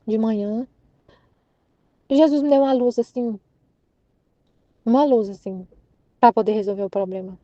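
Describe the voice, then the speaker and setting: A woman's voice: a little high, mellow, no room sound, highs cut off. A woman with a Brazilian Portuguese accent sharing a personal testimony in a casual, earnest way, often restarting her sentences. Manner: earnest, halting, repeats herself while searching for words. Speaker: prayer group member sharing testimony.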